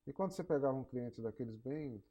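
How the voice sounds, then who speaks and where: A man's voice: mid-range voice, expressive, fast talker, highs cut off. A man with a Brazilian accent interviewing, asking short follow-up questions. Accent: Brazilian Portuguese. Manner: brief prompts and follow-up questions. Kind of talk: oral history interview.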